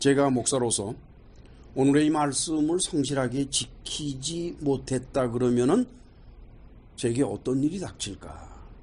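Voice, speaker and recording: With a very slow pace and long, frequent pauses, a man speaks at a fairly high pitch, somewhat breathy, with ordinary pitch variation and audible room echo. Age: 70s. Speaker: pastor. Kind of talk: sermon.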